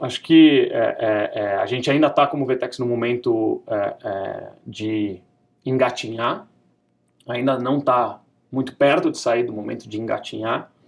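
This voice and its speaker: Here a man speaks with a Brazilian accent. His pace is fairly slow. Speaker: company executive. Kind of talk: interview. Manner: halting, many fillers.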